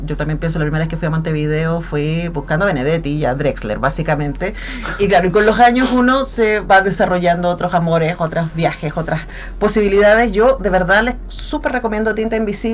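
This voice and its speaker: A woman's voice: on the low side, slight background noise. A woman from Chile with a Chilean accent, hosting a radio interview and listening attentively with frequent affirming murmurs. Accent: Chilean Spanish. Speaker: radio host.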